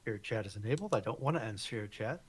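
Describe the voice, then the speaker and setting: A man's voice: lowish voice, animated, fast talker, a little hiss or hum. A man co-hosting a casual livestream, speaking conversationally with a dry, joking manner. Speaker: livestream co-host.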